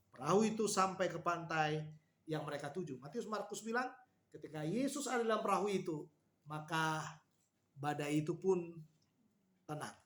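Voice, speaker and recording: A man preaching a sermon to a women's fellowship, explaining Bible passages and acting out quoted lines with lively repetition. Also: a little high. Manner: animated, repeats key phrases, acts out quoted lines.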